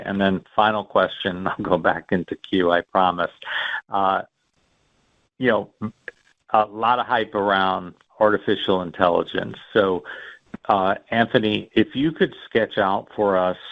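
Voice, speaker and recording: A man's voice: low-pitched, creaky, no echo. A man speaking as an analyst, putting conversational questions to executives on an earnings call. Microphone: phone or conference line. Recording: dull, dry call audio.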